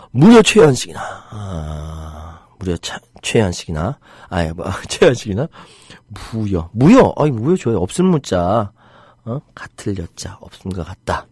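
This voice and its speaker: A middle-aged man hosts a live internet talk show, swinging between indignant rants and light joking with his listeners. His pitch rises and falls a great deal as he talks. The sound is close and dry, with no room to it. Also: darkish tone, no room sound. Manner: heated, indignant outbursts about rights; chatty, jokey with commenters. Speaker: internet radio host reading listener comments.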